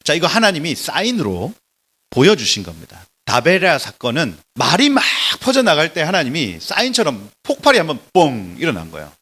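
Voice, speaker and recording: A man preaching a lecture-style sermon in a church, emphatic and animated, swinging between loud exclamations and soft drops. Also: fairly high pitch, fairly quick, breathy edge. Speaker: pastor giving a Bible lecture.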